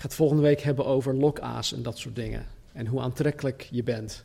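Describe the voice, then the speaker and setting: A man's fairly high, somewhat breathy voice with a dark, mellow tone, ordinary pitch variation and a moderate pace. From US West Coast (California). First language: English (speaking Dutch). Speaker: pastor. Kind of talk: sermon. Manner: hesitant, many fillers and repetitions.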